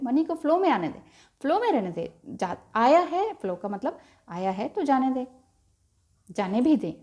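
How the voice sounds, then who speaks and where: A woman giving a gentle, reassuring tarot reading and mixing in English phrases. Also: fairly high pitch. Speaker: tarot reader.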